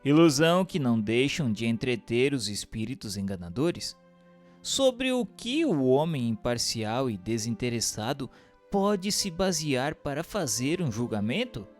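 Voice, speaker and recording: A man's voice: mid-range voice, very animated, measured pace. Formal male narrator over music. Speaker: narrator and questioner. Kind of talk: scripted reading in a radio drama. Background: music behind the voice.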